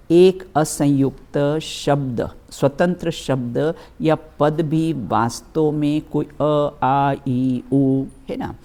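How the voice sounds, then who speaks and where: A woman's voice: sits low, darkish tone. A woman teaching as a religious teacher, reading a scripture text aloud and explaining it with everyday examples, often checking with her listeners. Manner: slow, repeatedly checks with "है ना" and "बिल्कुल"; addresses listeners as children, gives everyday examples.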